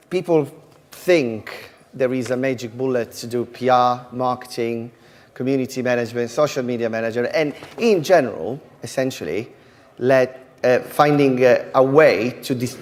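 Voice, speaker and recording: A man with an Italian accent moderates a conference panel, talking haltingly with many restarts. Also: mid-range voice. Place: conference stage. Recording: reverberant hall.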